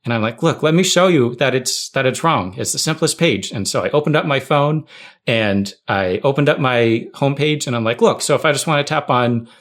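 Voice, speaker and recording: A man's voice: mid-range voice, a little fast. A man co-hosting a podcast, chatting casually and telling anecdotes as a storyteller who quotes himself. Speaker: podcast host.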